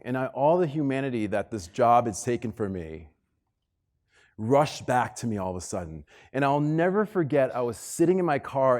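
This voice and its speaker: A man's voice: mid-range voice, a little mellow. A middle-aged man with an American accent speaks as a keynote presenter at a conference. His delivery is conversational yet emphatic, built on personal storytelling and repeated phrases, in a mid-range voice. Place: live talk on stage to a room of listeners. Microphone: stage microphone.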